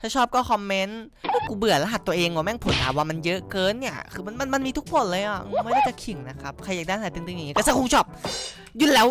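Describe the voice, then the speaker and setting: A man giving excitable, crude, joking commentary while he plays a game, often yelling, close on a desk mic. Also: high voice, quick pace, few pauses, over music. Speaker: gaming YouTuber. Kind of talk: gameplay commentary.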